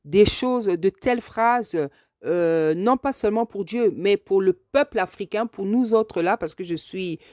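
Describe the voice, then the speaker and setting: A woman's voice: medium pitch, measured pace, darkish tone, dry recording, studio quality. A woman from France giving an earnest, unscripted spoken address, hesitant and often repeating phrases for emphasis. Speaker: speaker addressing a video message to a politician.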